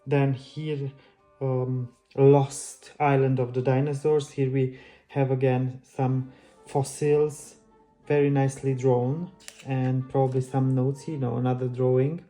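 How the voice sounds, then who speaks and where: Chatty man with a flat, mellow voice. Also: medium pitch, takes it slowly, faint music behind. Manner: friendly, chatty, loose phrasing with restarts. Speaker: book channel host. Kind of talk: casual book flip-through vlog.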